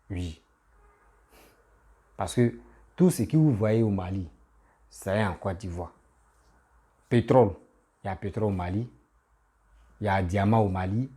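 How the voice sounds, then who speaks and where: A man's voice: fairly low pitch, mellow, breathy edge. A man who has a cold, giving a casual, insistent political rant that scolds his listeners. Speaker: political commentator.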